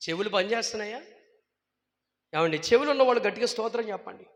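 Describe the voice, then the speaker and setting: A man's voice: high voice, expressive, quick pace. A male pastor with a Telugu accent preaching a sermon in a church hall, emphatically questioning his congregation. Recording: long hall reverb.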